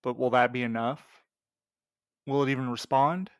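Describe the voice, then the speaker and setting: A man playing a gentle, level-headed young courier with a measured, questioning manner in an audio drama. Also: mid-range voice, fairly even intonation, clean tone, no echo, studio quality, natural voice. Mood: thoughtful. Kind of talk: naturalistic audio drama acting.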